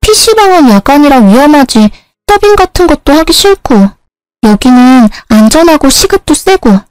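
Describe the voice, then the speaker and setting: A woman's voice: high-pitched, very animated, moderate pace, darkish tone, no room sound, pitched above the performer's own voice, low-quality recording. A woman voicing an earnest student younger sister in a storybook narration.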